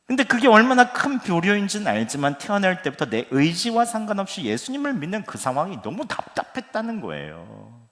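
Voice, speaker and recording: A man's voice: sits high, fairly quick, hardly any pauses. A middle-aged man preaching a sermon as pastor, telling stories vividly and acting out the people he quotes. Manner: animated storytelling that acts out quoted speech. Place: church sanctuary. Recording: long reverb of a church hall.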